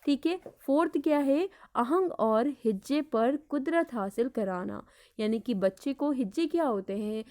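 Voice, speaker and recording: A woman with an Indian Urdu accent teaching an online class, explaining slowly and repeating each point, with English words mixed in. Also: fairly high pitch, warm tone. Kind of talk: online lecture.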